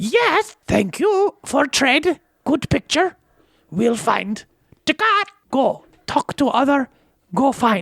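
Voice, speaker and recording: A man puts on a character voice at an extremely high pitch. He speaks very slowly, with long, frequent pauses. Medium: actual play. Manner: clipped broken speech, dropped words.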